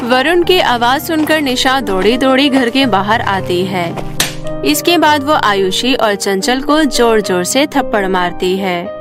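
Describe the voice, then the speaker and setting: A woman narrates a scripted children's story. Her voice is on the high side. Light background music runs under the narration. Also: animated, unhurried.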